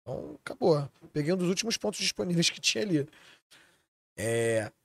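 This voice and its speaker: A man's voice: fairly high pitch, very animated, brisk, vocal fry. A man from Switzerland, a chef and restaurant owner, talking animatedly in a casual podcast chat and swearing freely.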